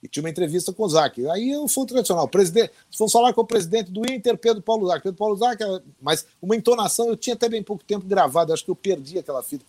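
A man's voice: high-pitched, racing, hardly any pauses. A middle-aged man from Rio do Sul, a veteran sports reporter telling stories as a guest and acting out the voices he quotes. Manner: animated anecdotal storyteller who acts out quoted voices. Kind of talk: casual storytelling interview.

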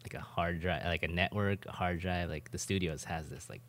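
A man's voice: deep voice, fairly even intonation, a little fast, fairly bright tone, slight background noise. A man co-hosting a podcast, chatting casually and rambling off on tangents with a joking manner. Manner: rambling, jokey, goes off on tangents. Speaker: podcast co-host. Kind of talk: casual chat.

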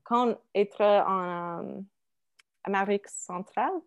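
Halting anglophone woman speaking accented French. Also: medium pitch, vocal fry, clean tone. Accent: English-speaking accent in French. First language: English. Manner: halting, searches for words in a second language. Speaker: interview guest. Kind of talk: casual chat, halting French mixed with English.

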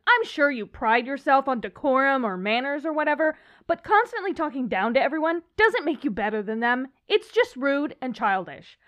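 A woman playing an impatient, sharp-tongued young female ghost hunter who snaps and scolds. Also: high voice. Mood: scolding. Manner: exasperated, snappy.

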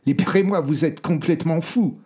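A man voicing an angry German sailor who is tied up, speaking with a German accent and shouting indignant demands. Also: a little high, moderate pace, pitched above the performer's own voice, close to an everyday voice. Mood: furious.

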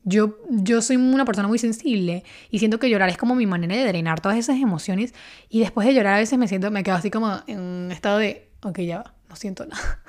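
Young woman, mid pitch, earnest and chatty self-help host talking to camera. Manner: earnest, conversational, laughs softly between points. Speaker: video host.

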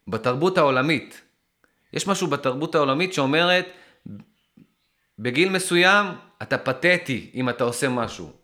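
A man from Israel talking to his viewers in a casual, rambling monologue, often stopping and restarting as he thinks aloud, and getting emphatic. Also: mid-range voice. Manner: animated and emphatic.

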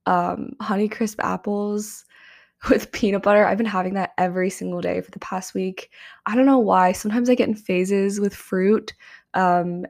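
A woman's voice: mid-range voice, a little mellow. A young adult woman hosting her own podcast, talking casually with frequent ums, her voice slightly strained. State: slightly strained voice after karaoke. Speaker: podcast host. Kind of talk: solo podcast monologue.

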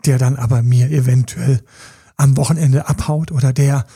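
Gravelly-voiced man coaching on relationships. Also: mid-range voice, normal speed, no echo, studio quality. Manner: animated, acts out little quoted scenes; colloquial, slangy. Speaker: podcast co-host. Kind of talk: casual coaching talk.

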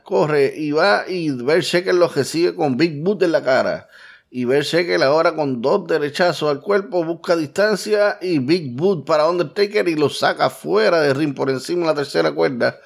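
Gravelly wrestling commentator. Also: male voice, fairly high pitch. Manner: repeats phrases for emphasis. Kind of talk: blow-by-blow wrestling commentary in Spanish.

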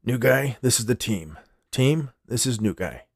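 A man voicing a gruff, stern male security chief in audio fiction, blunt and commanding, with terse, no-nonsense delivery. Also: medium pitch, animated, a little slow, no room sound, studio quality. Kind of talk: audio fiction character dialogue.

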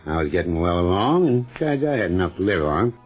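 A man's voice: low-pitched, very animated, fast. A male actor in an old-time radio drama playing a genial but evasive retired country doctor, folksy, soothing and insistent. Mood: genial, reminiscing. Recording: muffled vintage radio recording with music behind.

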